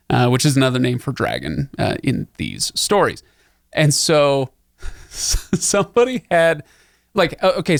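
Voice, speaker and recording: Dude hosting a book podcast, gravelly fry in his voice, chatty, dry close mic. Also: mid-range voice, dry recording. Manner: chatty, laughing, animated. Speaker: podcast host. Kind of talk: casual book discussion.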